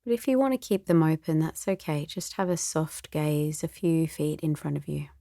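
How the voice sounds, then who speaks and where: Her voice low and soft, occasionally breathy, a meditation teacher leads listeners calmly and gently without rushing. The studio sound is clean, with no room sound.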